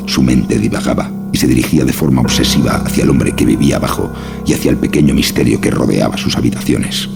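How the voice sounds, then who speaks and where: A man with a gravelly voice, narrating a scripted horror story in dramatic style. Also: a bass voice, fast. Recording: voice over prominent music.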